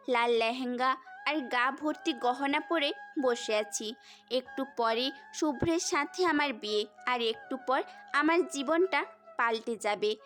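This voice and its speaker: High-voiced young woman narrating a story. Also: a bit bright. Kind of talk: first-person romantic story narration.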